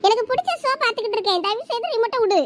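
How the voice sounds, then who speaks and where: A woman voicing a sharp-tongued, short-tempered young college girl in an animated comedy. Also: extremely high pitch, a little hiss or hum. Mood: irritated. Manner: scolding, irritated, fast and threatening.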